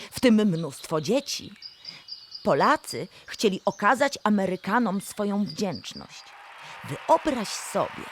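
A woman's voice: medium pitch, noisy background, lightly acted. A woman playing a friendly female cartoon animal who explains history in a children's audio drama, speaking with careful enunciation.

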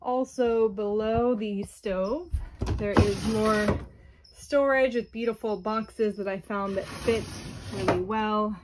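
A woman talks slowly and calmly as she walks through her small camper, naming each feature in a plain, descriptive way. Her voice sits at an ordinary middle pitch. It is picked up on a handheld phone, with a faint hiss behind it. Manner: unhurried, plainly descriptive, pointing things out. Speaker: owner giving a home tour. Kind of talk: walkthrough home tour. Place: inside a small camper trailer.

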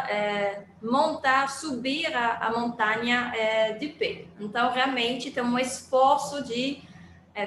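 A woman's voice: sits high, fairly bright tone, a little hiss or hum. A woman from Montreal with a Quebec French accent, giving an academic talk over a video call, hesitant with many fillers and restarts. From Montreal, Canada. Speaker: guest speaker, engineering physicist. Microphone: laptop mic on a video call. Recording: echoey room with faint ambience.

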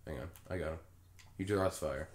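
A young man with a low, deep voice chats through a shooter game with a friend. He is sardonic and swears easily, and his voice sounds roomy and echoey. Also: moderate pace. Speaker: gamer in co-op play. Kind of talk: casual gaming chat.

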